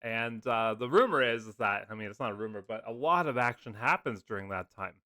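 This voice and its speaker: A man's voice: medium pitch, expressive, brisk, bright, forceful tone, dry recording, studio quality. A man, just over a cold, casually explaining funds in a loose, chatty video talk full of fillers. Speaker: finance video host. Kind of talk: casual screen-share explainer.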